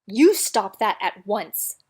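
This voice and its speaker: A woman's voice: medium pitch, big pitch swings, slow pace, darkish tone, breathy edge, heavily acted. A woman playing a haughty, threatening college official in an audio drama, with an imperious, scornful manner. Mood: indignant, threatening.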